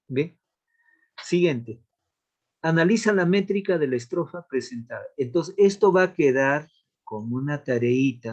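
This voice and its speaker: Man, literature teacher, recorded lecture, patient, repeats points, checks in often, mid-pitched voice. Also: slightly rough. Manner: counts out verses aloud slowly.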